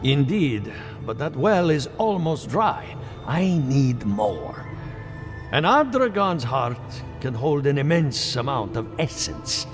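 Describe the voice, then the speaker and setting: An actor playing a courteous, preoccupied researcher in a fantasy game, speaking formally and articulately. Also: male voice, medium pitch, sing-song, takes it slowly. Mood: thoughtful, instructive. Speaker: game character. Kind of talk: scripted video game dialogue. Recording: game music behind the voice.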